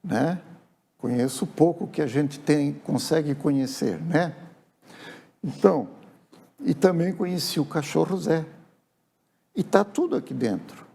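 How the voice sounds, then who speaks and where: A man's voice: a little high, a little slow, gravelly, pauses often, dark tone, breathy edge. A man, a writer telling stories reflectively in a casual TV interview. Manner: reflective, with frequent tag questions. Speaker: writer and guest. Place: TV studio.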